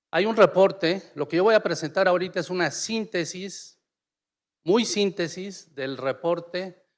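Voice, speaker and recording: A man speaks at a fairly slow pace with a high pitch. His pitch varies in an ordinary way. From Mexico, Uruapan, Michoacán. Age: 60s. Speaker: researcher and university teacher. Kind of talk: conference presentation.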